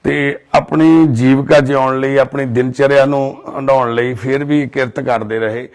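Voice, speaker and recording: A man's voice: medium pitch, steady tone, moderate pace, darkish tone. Brief: Punjabi man, charity volunteer host, earnest documentary narration, mid-range voice. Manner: earnest, soothing, speaks of divine duty. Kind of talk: documentary narration and consoling talk. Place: outdoors in a residential colony.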